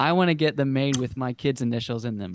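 Recorded with a dry sound and no echo, a man talks at a fairly quick pace. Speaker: interview guest. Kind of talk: interview answer. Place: home room. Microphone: handheld.

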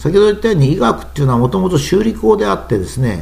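Noticeable background noise surrounds a man whose medium-pitched voice makes very wide pitch swings. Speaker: commentator, lecturer. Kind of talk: spoken monologue commentary. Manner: frequent filler hesitations (えー).

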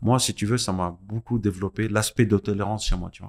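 A man speaks at a moderate pace in an ordinary speaking voice. His pitch is fairly low, and his intonation stays fairly even. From France. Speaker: expatriation consultant and YouTuber; podcast guest. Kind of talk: casual interview. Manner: casual, many fillers. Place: home room. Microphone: studio mic.

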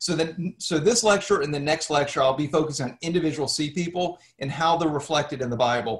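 With a Tennessee accent, a man speaks at a fairly quick pace. The background is quiet. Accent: Southern US (Tennessee). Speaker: history lecturer. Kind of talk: lecture. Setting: live audience with Q&A.

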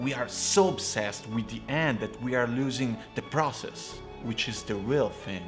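Over clear background music, a man with a strong Italian accent talks at a medium pitch with ordinary pitch variation. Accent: thick Italian. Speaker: startup and business vlogger. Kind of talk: tribute commentary to camera. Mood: earnest, somber. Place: home room.

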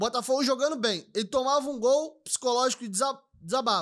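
A loud man at an extremely high pitch, talking at a fairly quick pace with ordinary pitch variation over a quiet background. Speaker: football podcast host. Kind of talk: live stream chat answering viewer comments. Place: studio. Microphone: studio mic.

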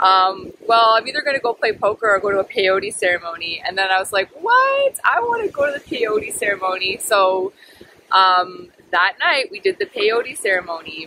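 Over light background noise, a woman talks at a moderate pace in a dry sound with no echo. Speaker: vlogger. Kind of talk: casual vlog chat. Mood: relaxed, reflective. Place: beach. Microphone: earbuds.

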